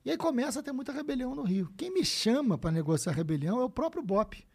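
A man, telling stories as a guest in a casual conversation, animated and full of swearing. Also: very high voice, fast, creaky. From Brazil. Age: 50s. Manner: animated storyteller, frequent swearing and "né?" tags.

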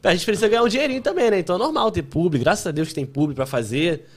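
A young man with a Carioca accent talks casually on a podcast. His voice sits high and swings widely in pitch. He fills his speech with fillers and laughs often. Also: lively intonation, rapid-fire. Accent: Carioca Portuguese. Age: young adult. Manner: chatty, laughs often, many filler words. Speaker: guest, content creator.

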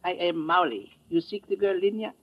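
High-voiced timid little guide. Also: male voice, animated, normal speed. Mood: meek, furtive. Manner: stilted broken English, pleading. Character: skinny little meek Burmese guide, timid and deferential. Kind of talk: 1950s radio drama acting. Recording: muffled old radio recording, noisy, clicks.

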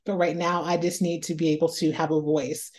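A woman author from Northeast Ohio talks through her ideas in an interview. Her voice sits a little low and sounds mellow and relaxed. She thinks aloud, often repeating a word before going on. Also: fairly quick. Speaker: author guest. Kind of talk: reflective interview conversation.

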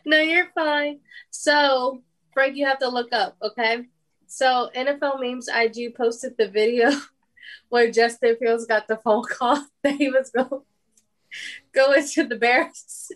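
Woman, high voice, giggly, casual sports chat co-host. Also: fairly even intonation, fairly bright tone. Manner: giggly, quick to laugh. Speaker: podcast co-host.

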